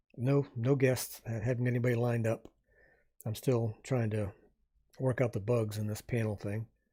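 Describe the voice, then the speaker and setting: A man speaks quietly at a medium pitch and a moderate pace, leaving long, frequent pauses. His voice is somewhat breathy and dark and mellow in tone, with monotone, flat intonation. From New Hampshire. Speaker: livestreamer. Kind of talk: casual live stream chat.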